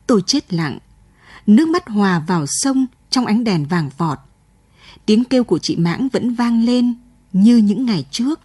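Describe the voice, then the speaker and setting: A woman reading a late-night radio story as scripted narration, in a slow, sorrowful way, recorded in a radio studio. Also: mid-range voice, animated, a little mellow, breathy edge, dry recording.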